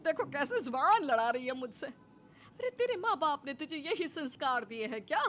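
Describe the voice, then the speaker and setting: A woman's voice: sits high, sing-song, normal speed, fairly bright tone, slight background noise. A woman voicing a grumbling, dramatic elderly mother-in-law in a cartoon story, scolding with theatrical sighs.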